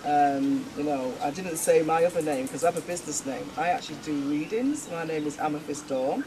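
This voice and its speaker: A woman's voice: deep voice, brisk. Earnest woman, noisy studio. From England. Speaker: guest. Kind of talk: casual studio talk show chat.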